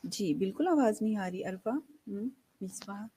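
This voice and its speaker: A woman nursing lecturer with a slightly hoarse throat, giving an online class in a slow, deliberate way that mixes English and Hindi. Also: mid-range voice, expressive, mellow, a little hiss or hum, rough recording.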